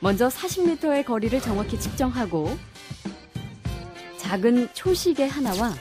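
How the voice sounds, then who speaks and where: Woman announcer, documentary narration, calm and polished, slightly high voice, music behind. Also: normal speed.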